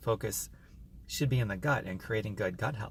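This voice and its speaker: In an American accent, a man speaks with lively intonation and vocal fry on a very clean recording with a silent background. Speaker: health and lifestyle vlogger. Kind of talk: casual talk to camera.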